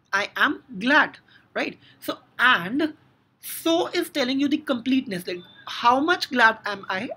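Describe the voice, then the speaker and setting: A woman's voice: on the high side, fairly bright tone, husky. A woman with an Indian English accent teaching a grammar lesson, explaining step by step with frequent "now" and "so".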